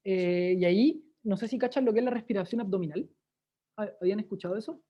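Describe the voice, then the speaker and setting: A woman's voice: medium pitch, brisk. Chilean woman teaching a voice workshop. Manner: demonstrative, checks in with listeners often. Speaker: workshop presenter. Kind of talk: lively online workshop teaching. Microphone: video call. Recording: dull lo-fi video call audio.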